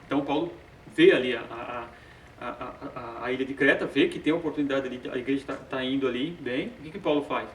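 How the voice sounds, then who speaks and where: A man's voice: medium pitch, fast, slight background noise. A man teaching a casual Bible study, with hesitant filler sounds and frequent chuckles. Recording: roomy sound from a distant mic.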